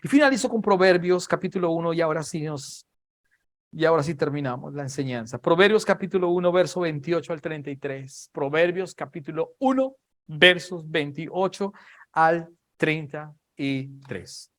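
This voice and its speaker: A man's voice: fairly high pitch, expressive, normal speed, fairly bright tone. A man preaching a sermon, dramatic and emphatic, repeating phrases for emphasis and acting out scenes. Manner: dramatic, acts out Bible scenes in raised voices.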